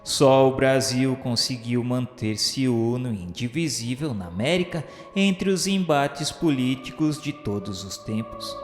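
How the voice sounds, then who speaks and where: A man's mid-pitched voice echoes through a long reverb over faint music. He narrates very slowly in a Brazilian accent, solemn and grandiloquent, as in a scripted radio drama. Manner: grandiloquent, measured.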